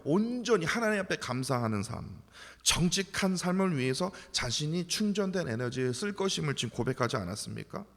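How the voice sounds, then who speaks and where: Male pastor, early-morning sermon, fairly high and lively pitch, rhetorical questions, long church reverb. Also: brisk, few pauses. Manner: animated preaching with rhetorical questions and acted-out quotes. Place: church sanctuary.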